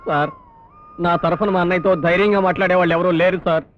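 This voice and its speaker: A man's voice: sits high, steady tone, rapid-fire. A man in a film scene, nervous and pleading as a timid suitor. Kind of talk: film dialogue. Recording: dull lo-fi film audio with faint noise.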